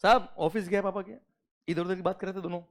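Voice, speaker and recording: A man's voice: sits high, fairly even intonation, fast. A middle-aged man lecturing a classroom on tax, telling a story and acting out its dialogue, often questioning his students. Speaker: GST lecturer. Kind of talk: classroom lecture with acted anecdote.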